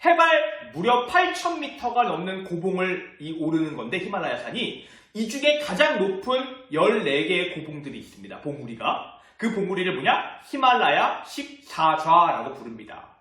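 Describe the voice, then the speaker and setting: Animated youth pastor in an echoey room. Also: male voice, high-pitched, moderate pace. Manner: animated, rhetorical questions to the audience; drops English exclamations. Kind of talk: sermon for teenagers.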